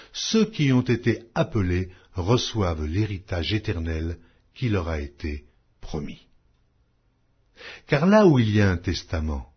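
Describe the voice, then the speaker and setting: A man narrating scripture as a solemn, scripted audiobook reading with measured, declamatory phrasing. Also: on the low side, breathy edge. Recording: dull lo-fi audio.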